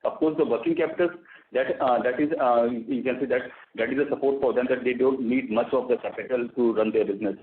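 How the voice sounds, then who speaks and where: A man's voice: medium pitch, steady tone, quick pace. A man with an Indian accent, a company executive explaining things on an investor call with a recurring verbal filler phrase. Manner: explanatory, often interjects "you can say". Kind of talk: answering questions on an investor call. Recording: narrow, tinny phone conference line.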